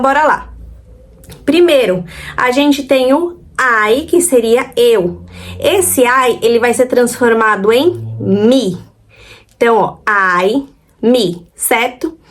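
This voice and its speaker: A woman with a Brazilian accent teaching an English grammar lesson, speaking English example sentences slowly and repeating them, often checking in with "certo?". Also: on the high side. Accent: Brazilian Portuguese. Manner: slow, drawn-out model sentences with repetition, frequent "certo?" checks.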